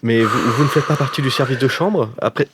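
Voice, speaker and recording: A man playing a vain, polite artist-adventurer with a halting, pompous and formal manner in an improvised role-play. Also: medium pitch, background noise, lightly acted. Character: vain, hesitant male artist-adventurer, self-important and polite.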